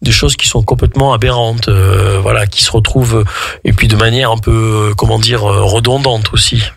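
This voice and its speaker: Guy with a gravelly voice co-hosting a radio film show, halting, repeats himself, dry mic. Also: fairly low pitch, steady tone, no echo. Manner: halting, repeats words, laughs easily. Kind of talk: casual radio chat.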